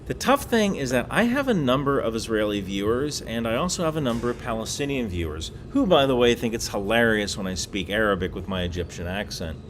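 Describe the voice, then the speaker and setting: A man's voice: mid-range voice, a little fast, few pauses. Guy on a laptop explaining stuff, bouncy up and down voice, dry jokes, bit of room hum behind. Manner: lively, wry asides, emphatic. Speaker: YouTube explainer host. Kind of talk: casual explainer monologue. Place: away from home on a work trip.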